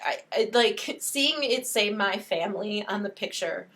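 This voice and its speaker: A woman's voice: mid-range voice, lively intonation, a little slow, a bit bright. A woman co-hosting a movie podcast, casual in style, emphatic and opinionated as she talks. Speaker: podcast co-host.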